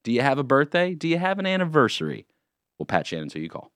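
A man hosting a morning radio show, chatting in a jokey, rambling, animated way in a studio. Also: mid-range voice, fast, no room sound. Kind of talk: casual morning radio banter. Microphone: studio microphone.

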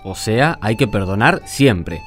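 A man's voice: on the low side, lively intonation, slow, soft background music. A man with an Argentine accent speaking in a conversational radio drama style. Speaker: cast member of a religious radio show.

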